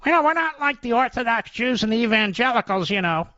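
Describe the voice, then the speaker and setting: Man doing smug, high-pitched mock leftist, dismissive tone, dry lo-fi audio. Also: animated, quick pace, bright, forceful tone, no echo, heavily acted. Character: smug self-satisfied male leftist, mocked. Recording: dull lo-fi dry sound.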